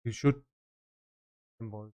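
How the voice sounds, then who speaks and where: Male developer-streamer, unhurried and halting, mellow tone, casual explanatory commentary while working. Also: on the low side, fairly even intonation. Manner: halting, thinking aloud in fragments.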